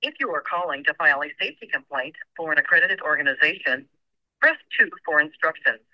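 A recorded customer service menu voice playing over a phone line, reading prompts in an even, scripted way. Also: mid-range voice, fast talker, no room sound. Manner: even, scripted announcer delivery. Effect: heard over a phone line. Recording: dull, dry phone line audio.

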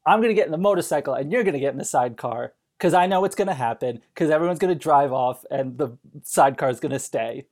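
A man guesting on a film podcast, talking in an animated, highly varied pitch. He is casual and comic, often breaking off to restart a thought or laughing through his words. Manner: halting, with false starts and self-corrections.

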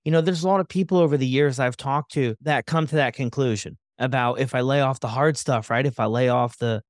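A man hosting a podcast, chatty and relaxed, often tagging "right?" onto his points. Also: medium pitch, fairly quick, no room sound, clean studio sound. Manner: relaxed, chatty, leans on fillers like "right?" and "you know". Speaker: podcast host. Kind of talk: conversational interview.

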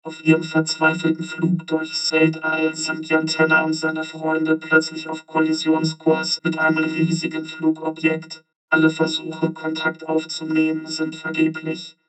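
A man narrates an audio drama trailer in a measured, scripted way. His delivery stays very flat, and his pitch sits slightly high. Clear synthesizer music plays under his voice. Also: rough recording.

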